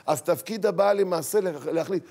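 A middle-aged rabbi giving a lively talk to an audience, asking rhetorical questions and acting out the voices in his stories. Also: sits high. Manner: animated, acts out quoted voices, rhetorical questions.

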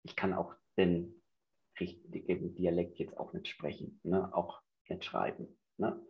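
A man in his thirties hosting a podcast over a video call on a headset, halting and hesitant with lots of fillers. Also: deep voice, steady tone, highs cut off. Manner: halting, many fillers and restarts. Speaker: podcast host. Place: indoors, in front of a banner backdrop.

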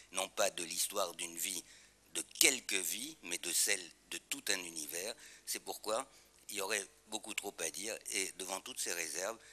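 A man's voice: deep voice, pushed and bright. A man in his sixties giving a formal, rhetorical conference lecture at a lectern microphone. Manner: measured, rhetorical phrasing. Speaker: conference speaker.

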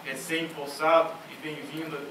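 A man's voice: on the high side, little pitch movement, moderate pace. A man, an agency director, giving a ceremonious formal speech at a conference panel into a handheld mic. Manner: ceremonious, greeting officials one by one. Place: large conference auditorium. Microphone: handheld mic, seated at a panel table. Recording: echoey hall from far off, clear noise.

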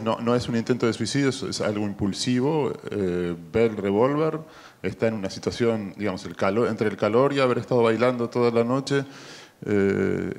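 An Argentine film director in his fifties, speaking with an Argentine Spanish accent, gives a festival press interview into a handheld mic in a small room. His voice is fairly low and darkish, and he talks thoughtfully with many fillers.

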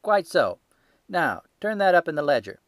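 A blustering market salesman bellows at full volume, a man doing the voice. His pitch rides high and his voice stays forceful. The sound is dry and close, with no room around it. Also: very animated, normal speed, dry recording. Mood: boastful. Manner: loud, hectoring, shouting. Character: gruff, blustering male market poultry salesman.

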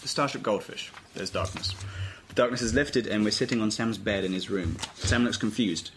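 A man's voice: lowish voice, moderate pace. A man reading stage directions as narrator in a scripted table read. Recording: noisy informal room recording.

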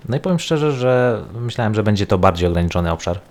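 A man giving casual, rambling gameplay commentary, thinking out loud as he plays. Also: on the low side, expressive, fast, a little hiss or hum. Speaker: gaming video host.

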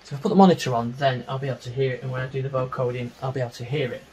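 A middle-aged man giving an informal, unscripted tutorial on music software, explaining step by step into a handheld microphone in a small home studio. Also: medium pitch, flat delivery, very fast, a little hiss or hum. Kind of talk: informal screen-share tutorial.

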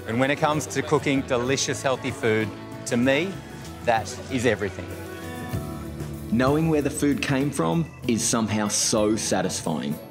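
A man's voice: medium pitch, lively intonation, moderate pace. A man, hosting a lifestyle cooking show with upbeat, enthusiastic narration and chat outdoors. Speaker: host. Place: outdoors at a market, farm and garden. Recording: music playing under the voice.

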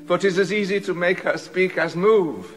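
A repentant older king, awed and yearning before a wonder, as a man plays him. His verse comes measured and high-pitched, and it rings with a long reverb, as if in a stone chapel. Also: faint music behind, natural voice. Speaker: actor playing King Leontes. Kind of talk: classical stage acting, audio drama.

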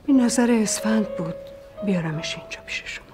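An actress playing an earnest young woman in a period TV drama, pleading softly and urgently. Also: mid-range voice, over music, close to an everyday voice. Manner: earnest, pleading, soft-spoken at times.

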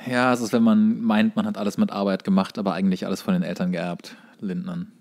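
A man's voice: fairly low pitch, little pitch movement, quick pace, darkish tone. A man, co-hosting a comedy podcast with wry, opinionated banter and wordplay. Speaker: podcast co-host. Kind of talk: casual comic banter.

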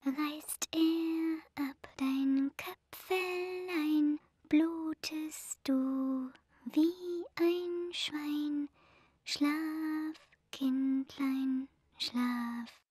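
A woman's voice: high-pitched, steady tone, very slow, darkish tone, no echo, clean studio sound. A woman playing an eerie spirit in a horror audio drama, chanting a sinister lullaby.

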